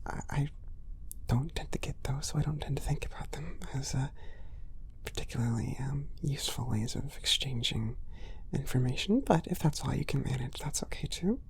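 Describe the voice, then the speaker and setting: A woman voicing a gentle, shy, affectionate cat boy in an intimate ASMR roleplay, whispering softly with hesitant, apologetic politeness. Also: very deep voice, moderate pace, a little hiss or hum. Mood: shy, musing. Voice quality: soft, breathy whisper.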